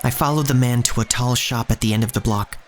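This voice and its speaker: A man's voice: medium pitch, fairly even intonation, fast, slight background noise, lightly acted. A man playing a wary young street thief who tells his own story as scripted audio drama narration. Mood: descriptive. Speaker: narrator and lead actor. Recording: music bed under the voice.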